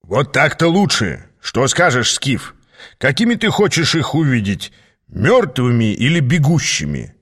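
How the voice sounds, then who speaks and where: A man doing a gruff, barking demon. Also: medium pitch, big pitch swings, unhurried, a bit bright, full character voice. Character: gruff, bossy demon mentor, short-tempered. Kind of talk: audiobook reading.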